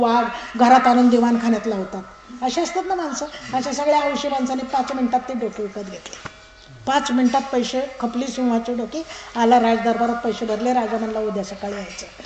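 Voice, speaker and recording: A woman giving a religious discourse to a live audience, telling a parable in a lively way and acting out its characters. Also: a little high. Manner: lively storytelling that acts out characters and street calls. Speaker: pravachan speaker. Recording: echoey hall with audience noise.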